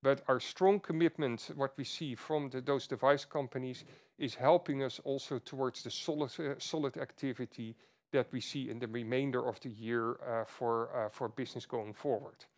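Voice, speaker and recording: A man speaking as a chief executive on an earnings call, presenting in a halting way with repeated phrases. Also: mid-range voice, steady tone.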